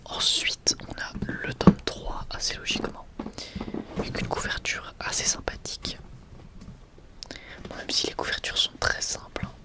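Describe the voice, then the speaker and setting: A person whispering softly and casually in an unscripted, hesitant ASMR presentation. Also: unhurried, pauses often. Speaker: ASMR video creator presenting a manga collection.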